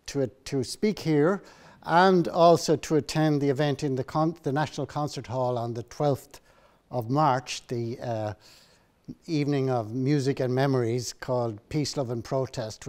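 An older man with a mid-range voice introduces a panelist at a university event. He speaks haltingly and fills his pauses with uhs. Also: mid-range voice, darkish tone. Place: university hall with a seated audience.

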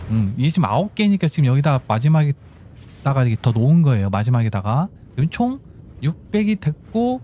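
Lively-voiced man narrating his factory game. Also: fairly high pitch. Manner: instructive, talks himself through building steps. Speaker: gaming YouTuber. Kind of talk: game commentary.

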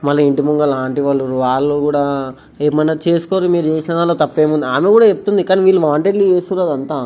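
A young man with a Telangana accent talks at a rapid clip in a rather high but mellow voice. He is earnest and insistent, and he repeats his points while vlogging a heartfelt conversation. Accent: Telangana Telugu. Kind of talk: emotional on-camera conversation.

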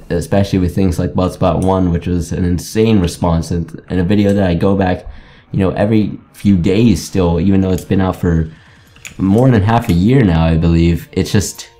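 A young man from Greece with an American accent talks loosely over a game, restarting sentences and piling up fillers. His voice sits low and mellow, with a faint bed of music underneath. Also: fairly even intonation, moderate pace. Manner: rambling, many restarts and fillers. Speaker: gaming YouTuber. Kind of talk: casual commentary over gameplay.

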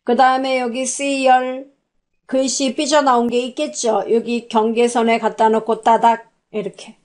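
A woman with a high voice walks the class through a spreadsheet step by step. She talks in a chatty way, tossing out questions and answering them herself. It sounds like a voice-over on a screen recording. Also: level tone, unhurried, darkish tone. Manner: chatty, asks and answers her own questions. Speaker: computer instructor. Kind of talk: spoken software tutorial.

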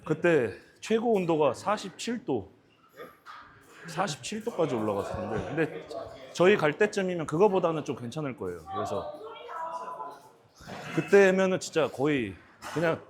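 A man's voice: on the high side, sing-song, moderate pace, pauses often, crowd noise. A male bodybuilder and channel host chatting politely between sets at the gym, asking questions and chuckling often.

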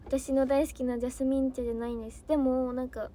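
A woman's voice: high-pitched, level tone, fast, warm tone, slight background noise. A young woman, an idol trainee, chatting casually on a livestream, bubbly and easily flustered as she answers comments.

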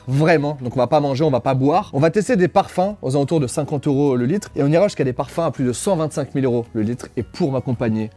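Male host in his thirties, quick and fairly high voice, teasing banter, soft music under. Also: breathy edge. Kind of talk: casual joking chat. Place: small room at a table.

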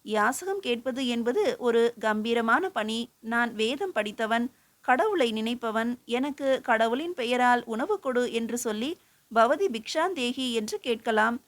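A woman's voice: a little high, expressive, measured pace. A woman voicing a young male scholar who speaks with earnest, respectful humility.

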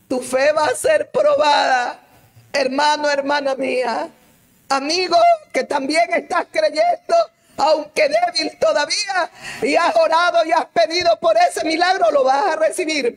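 A woman evangelist preaching a sermon in a fervent, emotional way, her voice swelling toward tears. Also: high voice.

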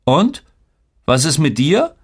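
A man's voice: on the high side, very animated, slow pace, husky, pitched above the performer's own voice, heavily acted. A man voicing a stern, reproachful mother in an audiobook story. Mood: questioning. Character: mother, stern middle-aged woman.

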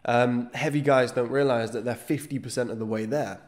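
A man's voice: medium pitch, fairly even intonation, a little fast, a little mellow. A man in his thirties, a fitness channel host, talking to camera with a nasal voice from a cold, earnest and gesturing as he explains. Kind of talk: direct-to-camera talk. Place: small indoor studio room. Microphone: studio microphone on a desk stand.

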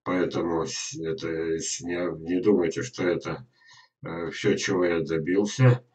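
Older man, very deep voice, informal webinar teaching, drawn-out words, frequent pauses. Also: steady tone, a little mellow. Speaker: gardener presenting an online lesson. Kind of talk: informal instructional webinar talk. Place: indoors in a small dim room at a computer.

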